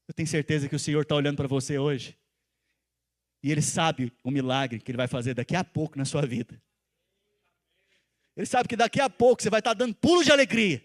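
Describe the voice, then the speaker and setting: A man, a pastor preaching a sermon who swings between loud, emphatic calls and soft, intimate asides, and who quizzes the congregation and repeats his phrases for stress. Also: a little high.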